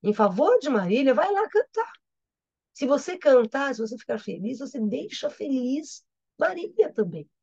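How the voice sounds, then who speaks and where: A woman's voice: high voice, big pitch swings, normal speed, darkish tone, husky, highs cut off, pitched above the performer's own voice, heavily acted. Woman voicing a coaxing Brazilian Cupid. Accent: Brazilian Portuguese. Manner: chiding, colloquial, exclamatory. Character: playful Cupid god coaxing a lover.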